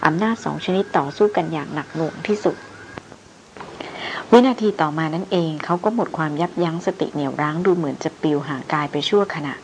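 A woman reads a novel aloud in steady, even narration. Her voice is on the low side, and a faint background hiss runs under it. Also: a little fast, low-quality recording. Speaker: audiobook narrator.

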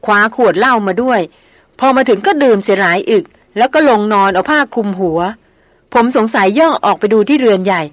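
A woman's voice: mid-range voice, expressive, a little fast, dry recording, close to an everyday voice. Audiobook: woman reading an old male hunter and servant, gossipy and deferential, dry close sound. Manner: polite, gossipy storytelling with deferential particles.

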